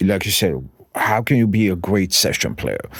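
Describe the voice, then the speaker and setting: Speaking in an Israeli accent, a man talks at a moderate pace with a dry, close sound with no echo. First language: Hebrew. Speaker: session drummer. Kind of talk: interview.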